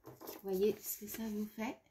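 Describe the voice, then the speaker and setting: Sniffly female vlogger, unhurried chatty delivery with lots of ums, mellow tone, faint hiss behind. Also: mid-range voice, flat delivery. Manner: chatty with many hesitations. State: sniffly runny nose. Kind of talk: casual chat.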